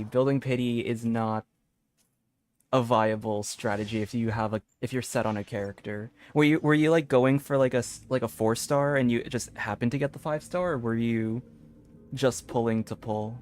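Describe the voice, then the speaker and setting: A man's voice: mid-range voice, moderate pace. A man livestreaming a game, chatting casually and reading bits of on-screen text aloud. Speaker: game streamer. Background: soft game music.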